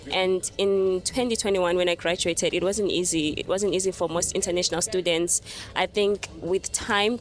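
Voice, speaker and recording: A young woman from Zimbabwe, answering interview questions in a thoughtful, soft-spoken way and laughing lightly now and then. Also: fairly low pitch. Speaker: interview guest. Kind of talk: casual conversational interview. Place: on a moving train.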